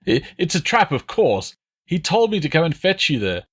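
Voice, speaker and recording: A man acting a whining, terrified tribal deserter, high-pitched. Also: very animated, breathy edge. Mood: nervous, insistent. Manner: hurried, stammering pleading. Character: cowering, terrified tribal deserter begging for mercy. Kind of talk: audiobook character voice.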